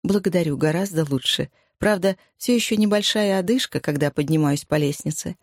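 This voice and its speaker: A woman's voice: on the low side, no echo, clean studio sound. A woman voicing a reserved older landlady. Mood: polite. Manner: reserved, brisk, short of breath.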